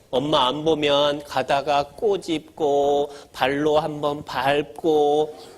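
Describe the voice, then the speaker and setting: A man preaching a sermon to children, animated, asking them questions and acting out small scenes of mother and baby. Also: on the high side. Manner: acts out mother and baby voices. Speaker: pastor.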